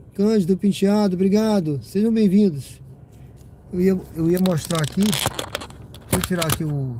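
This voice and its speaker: The delivery is relaxed in tone, at a fairly slow pace with ordinary pitch variation, over noticeable background noise. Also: man, high pitch for a man. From Rio de Janeiro, Brazil. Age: 60s. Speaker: rideshare driver and livestreamer. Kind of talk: casual live-stream chat. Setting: in a car, outdoors at the end. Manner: relaxed, with frequent fillers.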